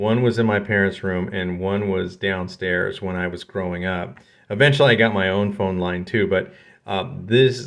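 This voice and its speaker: At a moderate pace, a man with an American accent talks in a fairly low pitch. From Northern California. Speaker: YouTuber / BMX enthusiast. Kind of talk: casual commentary. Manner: animated.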